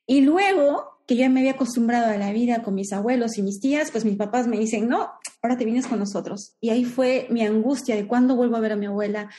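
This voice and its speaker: This is a woman in her forties with a Peruvian accent, talking as an interview guest. Her voice sits a little high but sounds warm and soft. She reflects out loud, often restarting phrases and pausing on fillers. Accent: Peruvian Spanish. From Peru. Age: 40s. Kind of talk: conversational interview.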